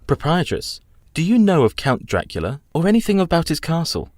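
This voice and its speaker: An actor playing a polite, proper young English solicitor in a radio play, speaking with an English accent and growing nervous. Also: male voice, on the high side, big pitch swings, brisk, darkish tone, dry recording, studio quality.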